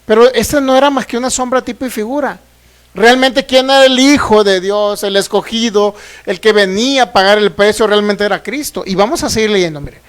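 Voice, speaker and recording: A man with a very high voice teaches from the Bible as a pastor. He reads verses slowly and with weight, then turns to the congregation with quick check questions. He is from Mexico. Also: a bit bright, smooth. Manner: reads scripture aloud slowly and emphatically.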